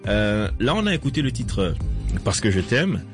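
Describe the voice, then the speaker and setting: A man's voice: fairly low pitch, very animated, normal speed, over music. Friendly male radio host. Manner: friendly, encouraging, finishes the guest's sentences. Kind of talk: radio interview.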